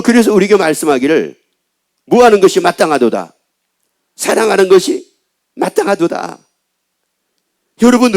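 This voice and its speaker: A middle-aged man preaches with a high, lively voice that rises and falls a great deal. He keeps tossing questions to his congregation and answers them himself. His wording is homely and repetitive. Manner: call-and-response questions to the congregation. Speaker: pastor. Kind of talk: sermon.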